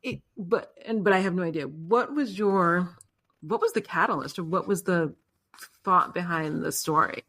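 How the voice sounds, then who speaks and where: Woman host, lowish voice, halting and self-correcting, casual. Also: a bit bright. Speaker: podcast host. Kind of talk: casual interview chat.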